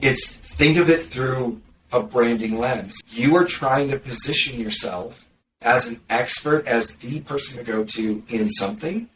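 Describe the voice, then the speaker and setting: A man's voice: medium pitch, unhurried, a bit bright. A man talking as a podcast guest in casual conversation, sarcastic and snarky, acting out other people's reactions as he talks. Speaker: podcast guest, marketing consultant. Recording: roomy, distant mic with faint background noise.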